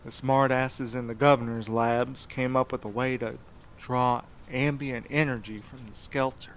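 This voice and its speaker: A man's voice: mid-range voice, fairly even intonation, measured pace, a little hiss or hum, natural voice. A man playing a jaded, slangy internet cafe owner in an audio drama, with a brash, casual way of talking. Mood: offhand, impatient. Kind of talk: naturalistic audio drama acting.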